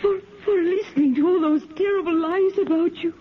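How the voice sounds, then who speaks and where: An actress playing a tearful, devoted young sister, in a 1950s radio drama. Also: female voice, extremely high pitch, a little fast. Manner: emotional, tearful. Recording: tinny old radio broadcast.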